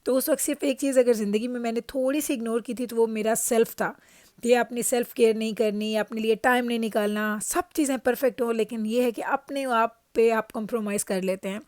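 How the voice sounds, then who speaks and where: A middle-aged Pakistani-accented woman narrates her family vlog in a conversational, reflective way. Her voice is slightly high yet warm and rounded in tone. She drops English phrases into her talk, and the recording is close and dry. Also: steady tone, brisk, no room sound. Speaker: family lifestyle vlogger. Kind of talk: chatty, reflective vlog voice-over.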